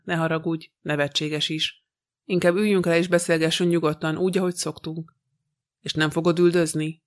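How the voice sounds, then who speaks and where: A man voicing a shrewd, calm older male detective in an audiobook, gently teasing. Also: a little high, clean tone, close to an everyday voice. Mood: indulgent.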